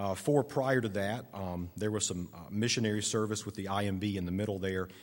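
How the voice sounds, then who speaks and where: A man with a Southern US accent is heard on a very clean recording with a silent background. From US South, Camden, South Carolina. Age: 40s. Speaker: pastor. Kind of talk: sermon. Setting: church, on stage at a microphone.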